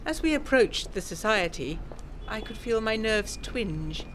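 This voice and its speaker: Expressive genteel 1920s lady narrator. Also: mid-range voice, unhurried, a little hiss or hum. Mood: brisk, confiding. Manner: genteel, expressive, bookish diction. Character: eager, self-pleased young 1920s woman recounting an adventure. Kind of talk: gothic period audio drama narration.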